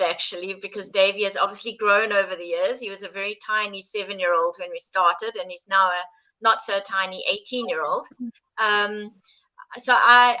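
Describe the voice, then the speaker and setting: A woman, a mother, answering radio interview questions in a steady, measured way. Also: mid-range voice, poor audio. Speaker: guest, mother.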